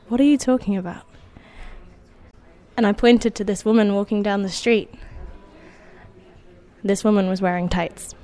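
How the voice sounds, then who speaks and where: A woman born in Indonesia, whose first language was Indonesian, telling a personal story in an unhurried, wry way with soft laughs. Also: mid-range voice.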